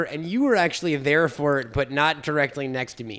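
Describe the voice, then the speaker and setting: The recording is very clean with a silent background, capturing a man with an American accent. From US Northeast, Long Island, New York. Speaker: podcast guest. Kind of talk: casual chat.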